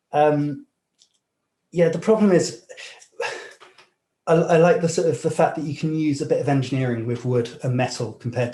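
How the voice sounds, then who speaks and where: A young Nigerian man files and sands jewellery at his bench while describing the work and answering interview questions, relaxed and unhurried with lots of ums, fillers and restarts. His pitch is ordinary and mid-range. The small workshop echoes, carrying a faint hiss and clicking tools.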